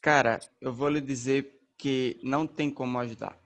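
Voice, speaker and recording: Laid-back young Brazilian racing driver. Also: male voice, medium pitch, normal speed. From Northeast Brazil. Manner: relaxed and slangy, many fillers. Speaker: race car driver, interview guest. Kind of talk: casual interview answers.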